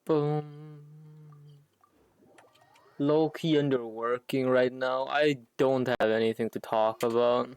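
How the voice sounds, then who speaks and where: Male game streamer, mid-pitched, very slow and sparse, casually muttering to himself while playing. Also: steady tone, darkish tone, smooth. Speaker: game livestreamer. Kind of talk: casual solo gameplay commentary.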